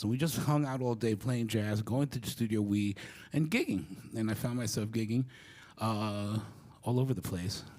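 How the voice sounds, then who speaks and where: A middle-aged man giving a storytelling talk, animated and acting out the people he quotes. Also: medium pitch. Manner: animated, acts out quoted voices. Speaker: guest speaker. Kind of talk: storytelling lecture.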